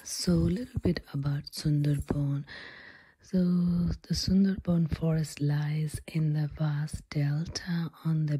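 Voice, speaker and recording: A woman tells a story in a breathy ASMR whisper. Her delivery is slow and halting, with short phrases and pauses. The tone stays low and even, with a soft, dark color.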